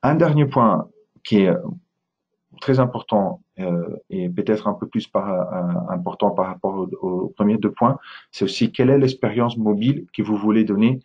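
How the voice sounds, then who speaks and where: Italian-accented man, deep hesitant voice. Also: moderate pace, husky, highs cut off. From Italy. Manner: hesitant, many fillers and restarts. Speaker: webinar presenter. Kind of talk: webinar presentation.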